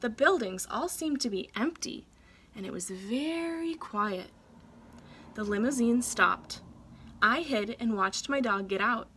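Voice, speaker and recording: Bright, high-voiced woman reading a storybook. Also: lively intonation, slight background noise. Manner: deliberate, dramatic phrasing for children. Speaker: teacher reading aloud to pupils. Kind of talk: expressive children's storybook read-aloud.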